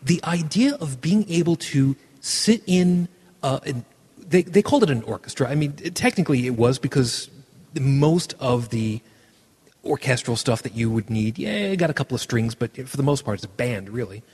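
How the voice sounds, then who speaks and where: Husky animated man in a reverberant room. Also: mid-range voice, normal speed. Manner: rambling, searches for words, many restarts. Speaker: podcast host. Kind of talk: casual chat.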